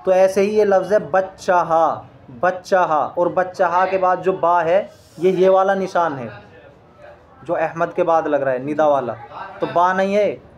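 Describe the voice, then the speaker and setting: A man's voice: sits high, fairly even intonation, a little slow, highs cut off. A man teaching a lesson. He reads each Persian phrase aloud, then patiently explains and translates it word by word, repeating key points.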